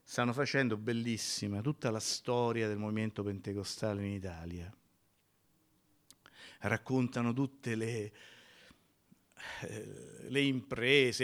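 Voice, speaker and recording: A male pastor preaching a sermon in a church, emphatic, swinging from loud cries to near whispers. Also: mid-range voice, smooth.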